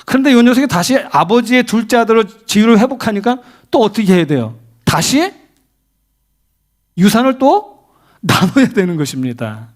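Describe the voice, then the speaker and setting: A man's voice: high voice, sing-song, moderate pace. A middle-aged man preaching a sermon as a pastor in a church, telling stories and asking the congregation questions. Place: church sanctuary.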